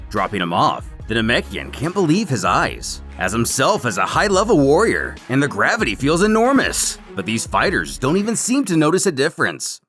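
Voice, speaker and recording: A man's voice: medium pitch, huge pitch swings, normal speed, few pauses, fairly bright tone. A man narrating a scripted story recap in the manner of a dramatic retelling, with music behind him. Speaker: narrator of a fan comic series.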